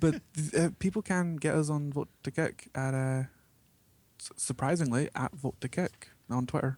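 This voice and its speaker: At a moderate pace, the speaker talks with a Scottish accent and long, frequent pauses. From Scotland. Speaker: gaming podcaster. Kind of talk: casual interview.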